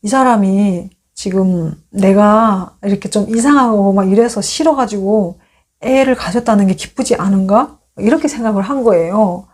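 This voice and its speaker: Speaking at a moderate pace in a medium-pitched voice, this YouTube host in her thirties shares her own story from North Korea. The monologue is casual and animated, and she performs each bit of dialogue as it comes.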